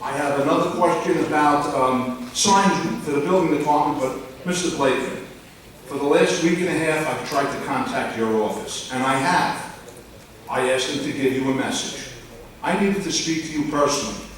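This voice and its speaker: An older man from Long Island, speaking bluntly and loudly to a town board during public comment. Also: fairly high pitch, normal speed. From Long Island, New York. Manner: blunt, complaining, loud. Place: large echoey public meeting room. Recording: echoey room audio from far off.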